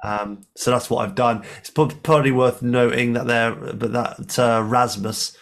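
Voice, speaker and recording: Podcast co-host, male, hoarse today, chatty and jokey. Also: mid-range voice, fairly even intonation, unhurried. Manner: chatty, laughs often, swears. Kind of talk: casual football chat.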